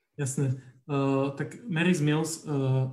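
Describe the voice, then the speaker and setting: A somewhat breathy man speaks with a fairly high pitch and fairly even intonation. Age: 20s. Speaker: student, charity social media volunteer. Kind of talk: live stream interview. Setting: video call.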